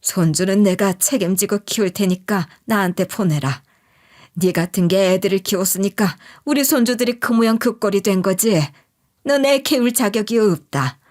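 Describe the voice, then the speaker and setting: A woman's voice: mid-range voice, moderate pace, darkish tone, close to an everyday voice. A woman playing a stern older mother-in-law in an audio story, speaking in a firm, commanding, scornful way.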